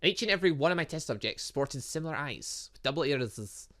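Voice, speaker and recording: A man voicing a formal, polite older male scientist from a visual novel, explaining things in a halting, measured way. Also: a little high, animated, fairly bright tone. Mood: polite, explanatory. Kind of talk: reading visual novel dialogue.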